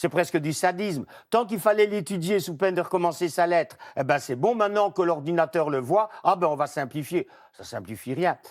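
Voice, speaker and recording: Moderate pace and ordinary pitch variation. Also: man, high pitch for a man. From Belgium. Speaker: historian and grammarian, author. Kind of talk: TV interview. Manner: animated, colloquial.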